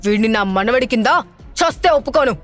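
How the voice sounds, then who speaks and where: Harsh, shouting older father, played by a woman narrator in an audio story. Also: on the high side, animated, a little fast, soft background music, lightly acted. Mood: furious. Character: domineering angry older father, man.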